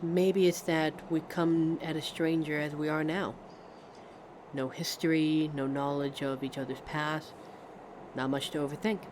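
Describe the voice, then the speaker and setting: A woman's voice: low-pitched, a little slow. A woman playing a pensive, friendly train passenger in a conversational ASMR roleplay, musing hesitantly as she talks to a stranger. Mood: thoughtful. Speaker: audio roleplay performer. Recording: steady train ambience noise. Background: train ride sound effects.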